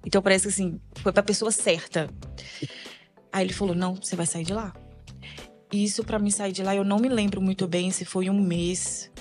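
A woman with a Brazilian Portuguese accent, a podcast guest telling a personal faith testimony in a halting, soft-spoken, emotional way. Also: mid-range voice, steady tone, faint music behind.

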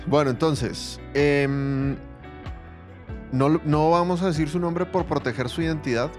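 A man co-hosting a podcast, giving casual advice and telling a personal story with lively slang. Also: on the high side, a little slow, faint music behind. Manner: animated storytelling, calls listener brother and compadre. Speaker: podcast co-host.

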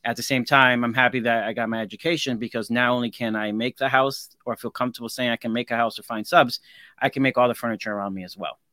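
A man's voice: mid-range voice, steady tone, quick pace, bright, forceful tone, no room sound. A man in his forties, a guest craftsman in a casual interview, talking earnestly and reflectively and often restarting his sentences. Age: 40s.

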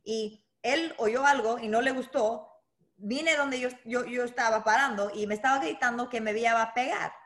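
A woman being interviewed as a boxing coach, talking in halting bursts with restarts and dropping in English words. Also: a little high, fairly bright tone. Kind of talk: conversational interview.

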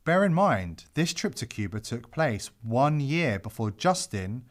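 Man narrating with a lively, swinging pitch. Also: a little slow. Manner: dramatic, with sarcastic asides. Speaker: podcast host. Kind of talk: scripted commentary narration.

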